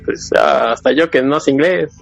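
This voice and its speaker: Podcast host guy, gravelly voice, kinda muffled lo-fi audio. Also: a little high, moderate pace, faint music behind. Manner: relaxed, asks questions. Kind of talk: casual podcast chat.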